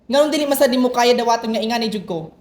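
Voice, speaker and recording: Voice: medium pitch, rapid-fire, a little mellow, natural voice. A performer playing a sullen, defiant young gay son in an amateur radio drama, snappy and emotional. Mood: angry, pleading. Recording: echoey room.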